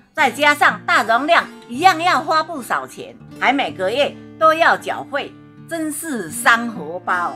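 A raised, projected voice moves at a very slow pace with very wide pitch swings. Music is in the background. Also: woman, high pitch for a woman. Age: 70s. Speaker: grandmother tech vlogger. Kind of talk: sponsored product review talk to camera.

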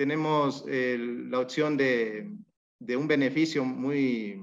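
A man's medium-pitched voice rises and falls in an ordinary way, with a quiet background behind him. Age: 30s. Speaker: university student. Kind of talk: testimony. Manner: halting, repeats words. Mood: humble, proud, grateful. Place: home room. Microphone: video call.

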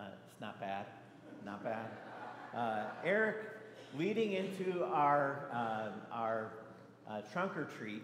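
A man at a medium pitch with very wide pitch swings and a very slow pace, amid light background noise and audible room echo. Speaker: pastor. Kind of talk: sermon delivered to a congregation. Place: church.

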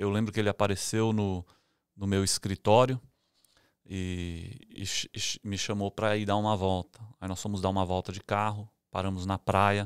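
Against a quiet background, a man speaks with monotone, flat intonation in a dry sound with no echo. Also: fairly low pitch for a man, moderate pace. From Brazil. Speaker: pastor. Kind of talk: casual chat. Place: studio. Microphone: studio mic.

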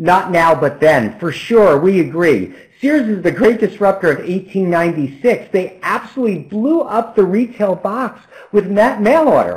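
Over a quiet background, a man with an American accent and a high voice speaks at a moderate pace, his tone animated and his intonation lively. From US Northeast (New Jersey). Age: 50s. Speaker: customer experience consultant. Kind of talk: webinar presentation. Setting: webcast. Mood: upbeat, amused. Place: home room. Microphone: webcam.

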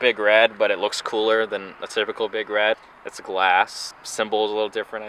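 The speaker is a man. He goes at a fairly brisk pace over faint background noise. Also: dry sound with no echo. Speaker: vlogger. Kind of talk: casual vlog chat. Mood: playful, upbeat. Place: street. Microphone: camera far.

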